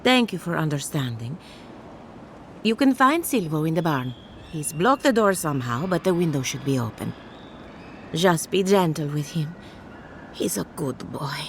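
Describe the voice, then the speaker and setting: Measured, solemn farm scholar. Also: female voice, deep voice, big pitch swings, a little hiss or hum. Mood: gentle, mournful. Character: solemn, caring woman scholar tending a farm flock. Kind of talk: video game character dialogue.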